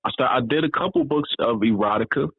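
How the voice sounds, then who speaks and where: A man's voice: medium pitch, quick pace, slightly rough, no echo. A man in his thirties chatting casually as an interview guest. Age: 30s. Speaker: interview guest, author and entrepreneur. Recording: thin phone-like, band-limited line.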